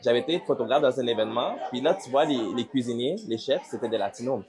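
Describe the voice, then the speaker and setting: A man with a Québécois French accent hosts a casual chat, telling stories loosely and restarting often. His voice sits at an ordinary pitch. Loud restaurant chatter fills the background. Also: fast talker. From Guatemala. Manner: relaxed storytelling with many restarts. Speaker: podcast host.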